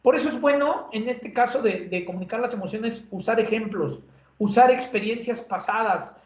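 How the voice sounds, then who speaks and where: A man's voice: high-pitched, normal speed. Mexican man lecturing in a roomy space. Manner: conversational, with many filler sounds and tag questions. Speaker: instructor. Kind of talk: lecture on communication. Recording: roomy, dull lo-fi sound.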